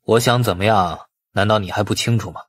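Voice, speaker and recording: A man voicing a cold, menacing killer with an icy, deliberate, threatening delivery in an audiobook. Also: on the low side, dry recording, studio quality, voice pushed down, lightly acted. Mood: cold menace. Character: cold, menacing male killer bent on revenge.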